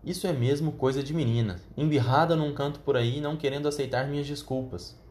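A man's voice: mid-range voice, fairly even intonation, a little fast, darkish tone, lightly acted. A man voicing a spiteful, sulky young boy who calls out in a raised voice in a storybook reading. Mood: grumbling.

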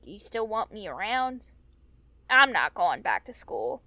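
A woman's voice: medium pitch, sing-song, unhurried, vocal fry, sharp tone, dry recording, full character voice. A woman acting in an audio drama as a wistful, frank young mer-person who is hurting and on the run. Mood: vulnerable, wry. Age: young adult.

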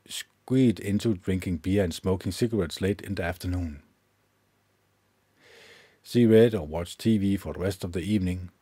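A man hosting his own podcast, reading a self-help book aloud in a measured way, with occasional slips he corrects himself. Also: sits low, mellow, husky, no room sound. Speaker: podcast host. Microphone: own microphone with gain up and low cut filter.

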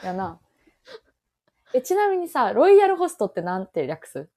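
A woman's voice: fairly high pitch, huge pitch swings, normal speed, warm tone. A woman in her twenties with a Kansai accent, co-hosting a casual podcast over a remote call and reading listener letters with frequent laughs. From Kansai, Japan. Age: 20s. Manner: chatty, laughs often. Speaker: podcast co-host.

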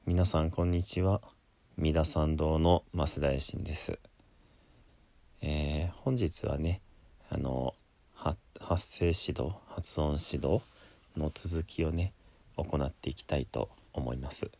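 A Buddhist priest, a man, who chants and then gives a slow, measured spoken lesson with frequent pauses and fillers. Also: rumbling low, steady tone, gravelly, warm tone, no echo. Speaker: Buddhist priest teaching pronunciation.

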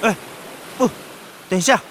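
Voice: normal speed, a bit bright, a little hiss or hum, close to an everyday voice. An actor voicing a hot-headed young tribal warrior in a radio drama, with a Taiwanese accent and a blunt, defiant, dramatic delivery. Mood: vengeful, threatening. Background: music.

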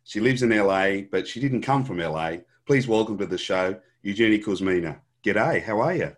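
A man hosting a podcast, chatting relaxed with a guest over a video call, often repeating words. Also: fairly low pitch, normal speed. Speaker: podcast host. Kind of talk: casual interview chat.

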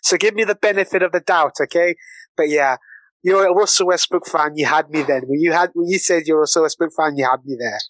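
A man's voice: fairly high pitch, quick pace, a bit bright, no room sound, rough recording. Non-native English-speaking man teasing playfully. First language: not English. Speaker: podcast co-host. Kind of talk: casual podcast banter.

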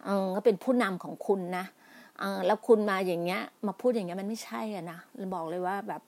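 A woman's voice: mid-range voice, fast, a little mellow. A middle-aged woman speaking in a heated political monologue, scolding and pleading by turns, with many restarts and repetitions. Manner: emphatic, scolding, repeats herself with many restarts; polite particles, pleading then indignant.

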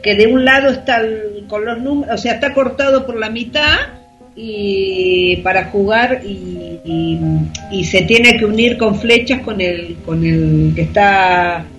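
A woman's voice: medium pitch, measured pace, fairly bright tone, dull audio, soft background music. A woman with an Argentine Rioplatense accent co-hosting casual radio chat, hesitant, with many fillers. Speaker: radio co-host.

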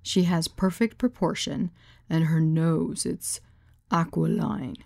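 A woman's voice: lowish voice, steady tone, takes it slowly, gravelly, mellow, slightly rough, full character voice. A woman voicing a smug, cutting man who drawls in a precise, reasonable tone in a told story.

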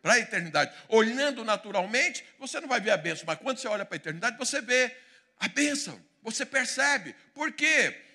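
A man preaching a sermon as pastor, telling a Bible story, acting out the people in it and swinging from quiet asides to loud exclamations. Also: very high-pitched, expressive, brisk.

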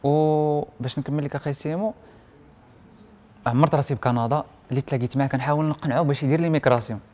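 A young man with a Moroccan Arabic accent speaks fast in a somewhat high, warm voice with a steady tone. As an interview guest who works as a printing and IT technician, he tells his story casually, mixing in French words and quoting dialogue along the way.

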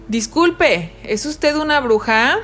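A woman's voice: high-pitched, animated, slow, fairly bright tone, a little hiss or hum, pitched above the performer's own voice, full character voice. A woman voicing a small, lonely, shy male black cat who talks politely and timidly. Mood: timid, hopeful.

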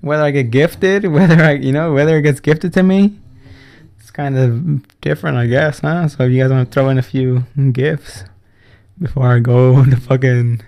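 A man's voice: medium pitch, moderate pace, a little mellow. A man around twenty hosting a solo podcast, talking in a rambling, profane way, often correcting himself and laughing. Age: 20s. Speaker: podcast host. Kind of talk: casual solo podcast monologue.

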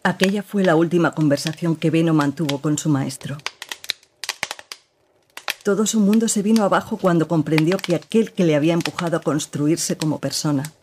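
A woman's voice: on the low side, close to an everyday voice. A woman narrating a somber story over hiss. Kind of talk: scripted drama narration.

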